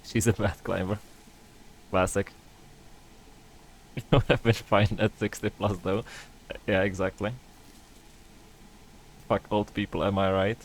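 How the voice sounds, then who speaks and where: Man, streamer, casual gaming chat, joking, sarcastic, lowish voice, faint noise. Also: level tone, takes it slowly, pauses often.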